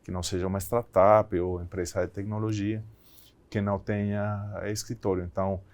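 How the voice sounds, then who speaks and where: A man's voice: lowish voice, level tone, normal speed, a little mellow. A man over his Spanish. He speaks as an executive guest in a conversational interview, repeating and rephrasing as he goes. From Colombia. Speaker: company CEO, interview guest.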